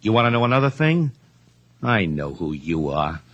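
A man's voice: fairly low pitch, very animated, normal speed, husky, highs cut off. A man playing a brash, needling comedian and schemer in a 1950s radio drama, wisecracking and pushy, repeating himself. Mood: sly, menacing.

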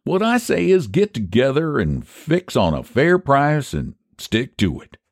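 Storybook role: male reader as a scheming country American pie baker, emphatic and persuasive, raised pitch, very animated, dry sound. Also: unhurried, no echo, heavily acted. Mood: argumentative. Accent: rural American. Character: scheming, triumphant rural American pie baker, homespun man.

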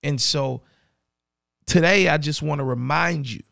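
A man with a raspy voice and a dry throat, hosting a podcast and speaking earnestly and directly to the listener. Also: a little high, unhurried, a bit bright, dry recording. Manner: earnest, repeats key phrases, addresses listener directly. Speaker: podcast host. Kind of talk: motivational podcast monologue.

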